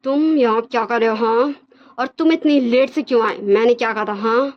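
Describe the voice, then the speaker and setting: Woman doing a strict bossy aunty snapping questions, loud, kinda muffled. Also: a little high, normal speed, close to an everyday voice. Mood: scolding. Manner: sharp interrogating questions. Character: stern scolding older aunt.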